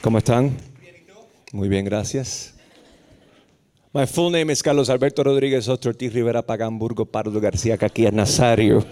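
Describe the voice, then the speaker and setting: Male pastor from Puerto Rico, thirties, animated sermon delivery, jokes then climbs higher and more intense. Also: fairly quick. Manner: lively, humorous preaching that climbs higher and more intense as it goes.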